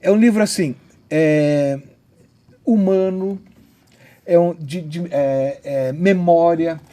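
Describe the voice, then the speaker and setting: A man's voice: fairly high pitch, slow pace, warm tone. A man hosting an interview, talking hesitantly with many fillers while praising a book. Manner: hesitant, filler-heavy enthusiasm. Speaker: interviewer, host. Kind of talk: casual interview.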